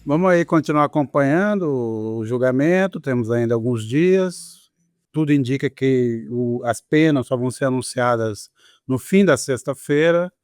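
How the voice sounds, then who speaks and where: Conversational Brazilian host, dry sound. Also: male voice, medium pitch, normal speed, darkish tone, clean tone, no room sound, soft background music. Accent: Brazilian Portuguese. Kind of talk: casual panel discussion.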